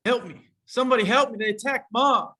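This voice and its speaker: A man's voice: very high-pitched, fairly quick, pushed and bright, full character voice. A man playing a big, distressed son pleading for his mother in a script read. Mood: desperate. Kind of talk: screenplay table read.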